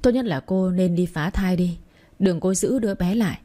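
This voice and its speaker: A woman's voice: fairly low pitch, moderate pace, mellow, natural voice. A woman voicing a cold, greedy young husband who snaps harshly and fawns over his rich boss. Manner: curt and harsh, turning servile to his boss.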